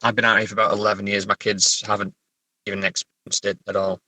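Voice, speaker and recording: A man's voice: fairly low pitch, little pitch movement, quick pace, pushed and bright, no echo, low-quality recording. A middle-aged man with an English accent, an author being interviewed, talking casually in a hesitant, thoughtful, understated way. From England.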